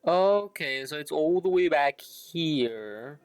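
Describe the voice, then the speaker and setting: A man's voice: a little high, expressive, takes it slowly, no echo. A man doing casual gaming stream commentary, rambling and thinking aloud with some salty language. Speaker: game livestreamer.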